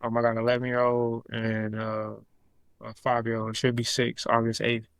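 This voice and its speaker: Laid-back man with flat delivery. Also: medium pitch, moderate pace, clear, resonant tone, no echo. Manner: laid-back, plain answers, slangy grammar. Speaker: professional boxer guest. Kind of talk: casual interview answers.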